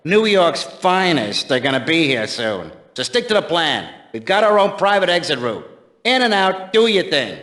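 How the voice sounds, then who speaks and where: A brash crime-game gangster. His voice is high for a man and moves up and down a lot, tough and pushy. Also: big pitch swings, moderate pace, fairly bright tone. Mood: brisk, commanding. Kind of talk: video game voice acting.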